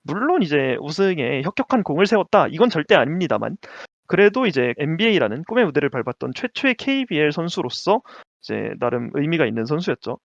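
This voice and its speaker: Lively higher-voiced man chatting basketball. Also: a little fast, creaky, hardly any pauses, no echo, muffled recording. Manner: lively, laughs often, stumbles over names. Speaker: podcast co-host. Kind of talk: casual basketball chat.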